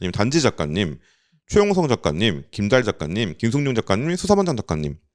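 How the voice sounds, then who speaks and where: A man's fairly low voice with vocal fry and very wide pitch swings at a fairly quick pace, dry and close with no echo, in a very clean recording with a silent background. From southern Gyeonggi, Korea (Suwon). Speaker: webtoon review podcast host. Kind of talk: casual panel discussion.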